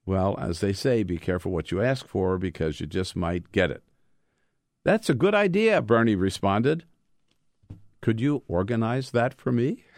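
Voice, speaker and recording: A man who is an author reading from his own book, mixing measured, emphatic delivery with informal storytelling. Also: lowish voice, sing-song, a little mellow, no room sound, clean studio sound.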